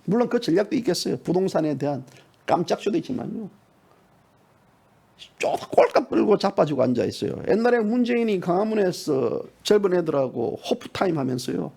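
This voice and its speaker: A middle-aged man delivers partisan political commentary in a mocking, heated manner. His voice sits high and swings widely, with a gravelly, husky edge. He drops into low mutters, then jumps to sudden high shouts. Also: sing-song, brisk.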